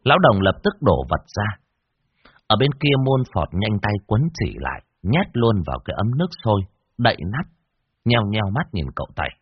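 A man narrating a ghost story in a lively, dramatic way. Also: on the low side, moderate pace, husky, dry recording. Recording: dull lo-fi dry recording.

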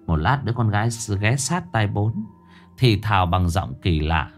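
A man narrating a horror story with a dramatic reading style, slowing down for suspense. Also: fairly low pitch, animated, faint music behind.

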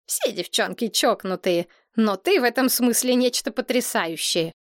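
A woman's voice: fairly high pitch, normal speed, no echo, studio quality, lightly acted. A woman doing a sulky boy prince. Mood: exasperated. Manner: grumbling, defensive, exasperated. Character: hot-headed boy prince, quick to sulk. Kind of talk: audiobook character voice.

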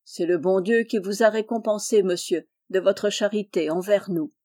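Woman doing polite earnest peasant boy, kind, soft mellow tone, storybook reading. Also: mid-range voice, moderate pace, natural voice.

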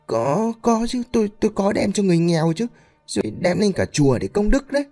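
A man's voice: high voice, very animated, fairly quick, dark tone, soft background music, voice pushed up. A man voicing a frightened, tearful middle-aged wife who stammers and pleads for forgiveness. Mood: pleading.

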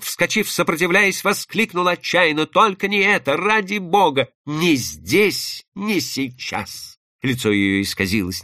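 An audiobook narrator reads a classic detective story with expressive, dramatic storytelling in a lowish voice. It's scripted literary narration with clean studio sound and no room echo.

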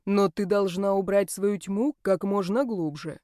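A woman voicing a calm, authoritative male healer in an audiobook, speaking in a measured, steady way. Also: medium pitch, no echo, clean studio sound, lightly acted. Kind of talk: audiobook character voice.

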